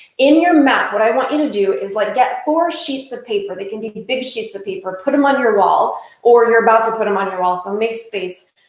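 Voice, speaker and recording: Audible room echo surrounds a woman with a fairly high pitch who speaks at a fairly quick pace with lively intonation. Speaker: business coach. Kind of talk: live coaching session. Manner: fast; animated.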